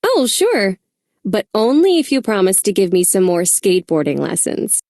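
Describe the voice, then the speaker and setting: Lively woman in a textbook dialogue. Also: medium pitch, moderate pace, dry recording, clean studio sound. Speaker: textbook audio dialogue speaker.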